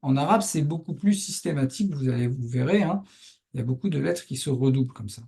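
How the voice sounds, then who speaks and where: A man's voice: mid-range voice, expressive, quick pace, creaky, dark tone, husky. A male Arabic teacher patiently explaining a lesson step by step over on-screen writing, with frequent verbal check-ins to his students.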